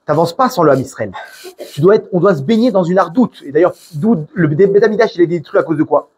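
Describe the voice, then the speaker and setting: A man's voice: high-pitched, animated, fast, a little mellow, slightly rough. A man from France with a French accent, giving an informal sermon full of stories, restarts and Hebrew religious terms. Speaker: preacher.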